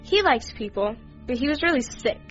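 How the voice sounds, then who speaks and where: A woman's voice: sits high, lively intonation, moderate pace, dull audio, faint music behind. A woman playing a snarky teen girl witness. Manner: sarcastic, slangy, eye-rolling. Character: flippant underage female witness, sarcastic teen. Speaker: witness being questioned. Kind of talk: radio drama acting.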